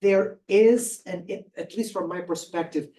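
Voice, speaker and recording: A man asks a question after an academic lecture, his voice sitting a little high for a man. He speaks thoughtfully and hesitantly, often stopping to search for words. His voice is caught from some distance away from the microphone. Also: unhurried, mellow. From Portugal. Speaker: audience member asking the speaker a question. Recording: voice picked up from far off the mic.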